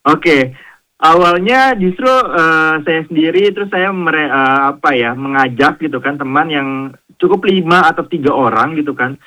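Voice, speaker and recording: A man from Jakarta answering questions as a radio guest, hesitant and friendly, full of pauses. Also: fairly high pitch, animated, sharp tone, poor audio. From Jakarta, Indonesia. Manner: hesitant, many fillers and restarts, friendly. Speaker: guest, founder of a swimming community.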